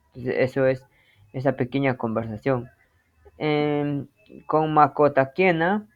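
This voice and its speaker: Slow, patient male language teacher. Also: medium pitch, highs cut off. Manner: slow, patient explaining, reading phrases in two languages. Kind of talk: online language lesson.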